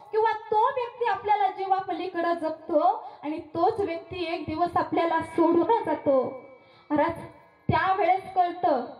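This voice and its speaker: A woman's voice: extremely high pitch, lo-fi sound. A woman kirtan preacher giving a devotional sermon at a memorial gathering, repeating her points with emphasis and addressing listeners as maharaj. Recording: echoey room with faint music.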